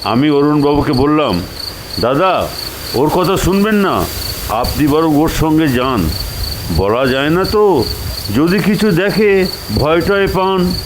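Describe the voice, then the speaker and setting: A man's voice: a little high, lively intonation, takes it slowly, long pauses. A man narrating a dramatised first-person story, expressively acting out its dialogue. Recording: noisy track with cricket and insect sounds.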